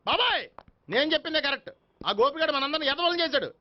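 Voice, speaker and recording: An actor playing a loud-mouthed young comic sidekick, brash and mocking, in a film comedy. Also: male voice, very high-pitched, animated, quick pace. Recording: dull film soundtrack with music.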